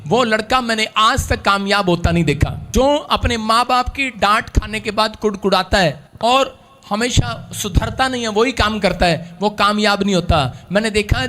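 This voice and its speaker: Male pastor, high voice, call-and-response sermon with loud bursts. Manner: swings between shouting and hushed asides, laughs often. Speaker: preacher.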